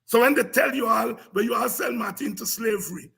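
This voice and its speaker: A Guyanese man with a very husky, gravelly voice, pitched strikingly high for a man. He lectures informally and combatively, repeating points for emphasis like a programme host driving a lesson home. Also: brisk, pushed and bright. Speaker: host of a politics and history talk programme. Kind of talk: impassioned informal history lecture to an audience.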